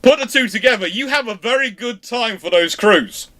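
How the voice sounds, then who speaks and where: A man hosts a live history stream, his voice bright and forward. He talks in an animated way, tossing in quick asides and dry jokes as he answers questions. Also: extremely high pitch. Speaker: naval history channel host. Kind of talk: live Q&A chat.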